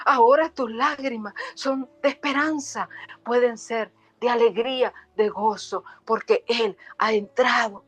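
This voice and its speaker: A woman's voice: a little high, fairly bright tone. A middle-aged woman preaching a passionate, emotional sermon, acting out the people in her story.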